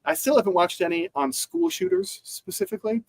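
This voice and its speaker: A man's voice: very high-pitched, big pitch swings, a little fast, gravelly, a little mellow, no echo, rough recording. A man co-hosting a podcast, talking through news in a rambling casual way with many fillers and restarts. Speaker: podcast co-host.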